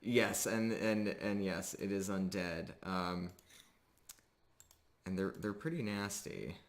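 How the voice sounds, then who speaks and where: A man narrating a tabletop role-playing game as game master, improvising descriptions in a halting way. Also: low-pitched, fairly even intonation.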